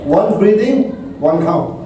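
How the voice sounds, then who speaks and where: A middle-aged man with a Malaysian English accent, talking casually and haltingly, repeating words and chuckling often. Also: sits high, big pitch swings, warm tone, slight background noise. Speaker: speaker discussing meditation. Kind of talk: casual talk. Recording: echoey room, far-off mic.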